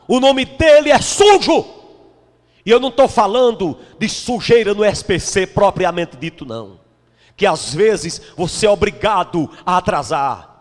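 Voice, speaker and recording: High-pitched preaching man, shouting bursts. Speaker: bishop preaching. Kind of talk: sermon. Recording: long hall reverb.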